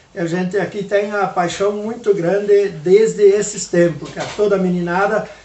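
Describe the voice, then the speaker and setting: Noticeable background noise and audible room echo surround this man's voice. He speaks with a high pitch in a monotone, flat intonation. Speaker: former amateur footballer. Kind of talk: interview testimony. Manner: halting, repeats words.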